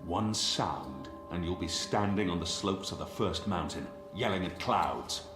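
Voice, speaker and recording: Deep, stern ex-warrior. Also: male voice, animated, unhurried. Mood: threatening. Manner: curt, grave, menacing. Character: stern, terse male former holy warrior. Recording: game audio, echoey, music behind.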